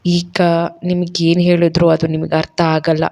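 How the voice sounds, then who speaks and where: A woman's voice: fairly low pitch, monotone, normal speed, a little mellow, close to an everyday voice. A woman voicing a heartbroken young heroine who is emotional and determined.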